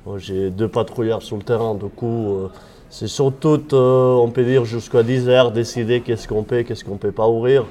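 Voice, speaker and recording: A man's voice: mid-range voice, normal speed. A man from the Cerdagne region with a Catalan-tinged accent, a ski patroller talking casually in an interview with lots of hesitations. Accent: Catalan-tinged French with southern French and Swiss touches. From Cerdagne, Pyrenees. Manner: relaxed, chatty, frequent hesitations. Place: ski area staff building.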